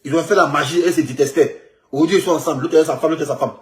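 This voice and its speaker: A man, commenting on politics in an animated, rambling way, with many repetitions and stumbling restarts. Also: fairly high pitch, racing. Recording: echoey room.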